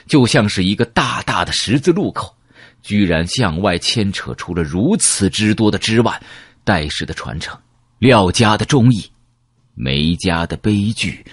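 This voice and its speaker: A deep male voice tells a first-person audiobook story in a reflective, measured way. His pitch moves expressively, and the recording is dry and close with no room sound. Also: dry recording. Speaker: audiobook narrator.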